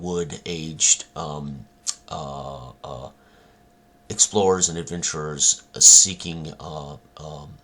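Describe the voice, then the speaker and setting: A man with an extremely deep voice that still has a bright, edgy tone and a husky grain. He talks about his own tabletop game in a casual, halting way, full of ums and uhs.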